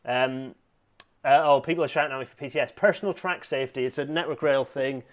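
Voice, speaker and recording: A man with a hybrid Scottish accent talks casually over a video call from home, at an ordinary middle pitch. He rambles from topic to topic, throwing in self-mocking asides and quick jokes. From Scotland. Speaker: podcast co-host. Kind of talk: casual chat. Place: home room.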